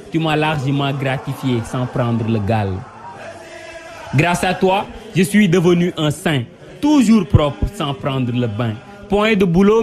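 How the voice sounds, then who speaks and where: A man with a slightly high voice recites devotional verse. His delivery is exalted and rhythmic, with emphatic, solemn phrasing. Soft music plays behind him. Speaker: poet reciting devotional poem. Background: music under the voice.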